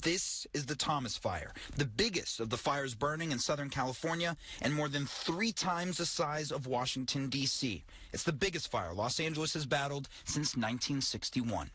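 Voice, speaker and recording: A man's voice: medium pitch, normal speed, few pauses, bright, forceful tone, a little hiss or hum. A man narrating a scripted TV news package as a reporter.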